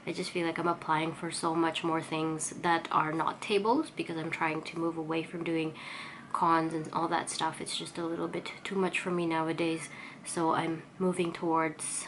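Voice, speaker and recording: In this low-quality recording with a little hiss or hum, a woman vlogger and artist speaks in a low, flat voice at normal speed. Congested and sniffly, she gives a casual, rambling, self-effacing update on her day in a chatty vlog.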